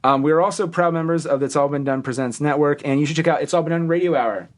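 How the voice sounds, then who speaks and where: A man's voice: fairly high pitch, fast. A man hosting a casual podcast, reading plugs and sponsor spots in a rambling, jokey way that keeps correcting itself. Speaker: podcast host.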